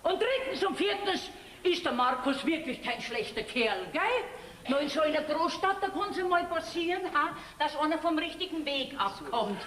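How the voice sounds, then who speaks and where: A preachy Bavarian farm wife. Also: female voice, high-pitched, expressive, normal speed, slight background noise. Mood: lecturing. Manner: lecturing, sharp-tongued. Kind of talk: stage folk comedy. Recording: roomy stage sound with reverb.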